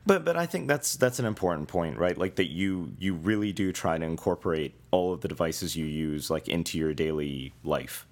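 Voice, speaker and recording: A man with a hoarse voice hosting a casual tech podcast, talking in halting bursts full of fillers and restarts. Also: deep voice, animated. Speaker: podcast host.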